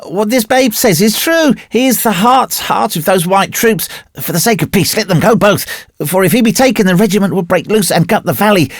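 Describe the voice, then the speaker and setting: A man's voice: sits high, a little fast, dry recording, studio quality, voice pushed up. A man voicing an alarmed tribesman who pleads urgently and declaims, in a storybook reading.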